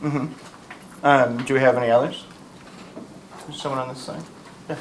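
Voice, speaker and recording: A man's voice: medium pitch, moderate pace, slight background noise, low-quality recording. Man leading a workshop discussion. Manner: prompting questions, relaxed and joking. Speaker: workshop facilitator.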